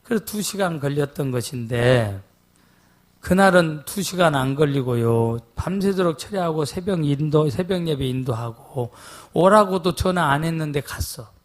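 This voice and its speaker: 부흥회에서 설교하는 남자 목사로, 이야기를 하며 대화를 흉내 내고 "예?" 하고 회중에게 자주 묻는다. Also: male voice, fairly high pitch, normal speed. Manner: animated, acts out dialogue, often asks the congregation "예?". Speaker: pastor. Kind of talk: revival sermon with storytelling.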